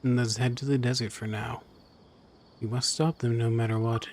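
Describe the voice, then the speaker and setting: A man's voice: mid-range voice, little pitch movement, normal speed, noisy background. A man playing a video game, reading the dialogue choices aloud. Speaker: game player.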